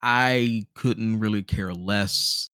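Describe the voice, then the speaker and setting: Low-voiced man chatting casually about games. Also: drawn-out words, sharp tone, smooth, dry recording, clean studio sound. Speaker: podcast host. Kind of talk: casual chat, game review.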